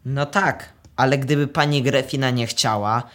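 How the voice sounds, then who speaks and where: A man's voice: medium pitch, fairly even intonation, moderate pace, fairly bright tone, natural voice. A young male performer playing a naive poor boy in a radio play, speaking simply. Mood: naive, questioning.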